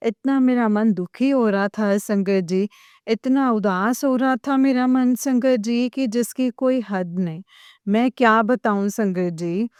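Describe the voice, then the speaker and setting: A woman's voice: a little high, takes it slowly, a little mellow, clear, resonant tone, no room sound. A woman tearfully sharing a devotional testimony, emotionally addressing the congregation again and again. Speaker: devotee sharing her experience.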